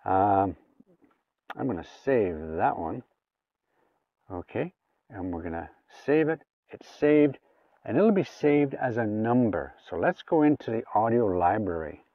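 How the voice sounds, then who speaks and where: A man's voice: on the low side, expressive, a little slow, no echo, recorded from a distance. A man giving a casual hands-on gadget demonstration, talking through each step aloud in an informal way. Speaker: gadget reviewer. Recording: phone-like, thin sound, off the mic.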